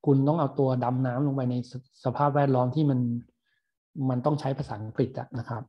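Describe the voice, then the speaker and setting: A man with a husky, slightly breathy voice teaches a recorded online class. He explains words patiently and pauses to gloss them. The recording sounds dull and lo-fi. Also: mid-range voice, fairly even intonation. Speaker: university lecturer.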